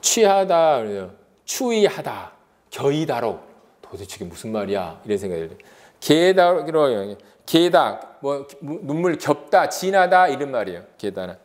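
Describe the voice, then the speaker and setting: A man's voice: mid-range voice, sing-song, unhurried. A man giving an exam-prep lecture, asking rhetorical questions and drawing out vowel sounds as examples.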